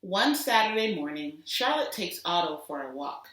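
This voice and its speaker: A woman teacher giving an expressive storybook read-aloud for children, deliberate and with dramatic emphasis. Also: on the low side. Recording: roomy echo, distant microphone.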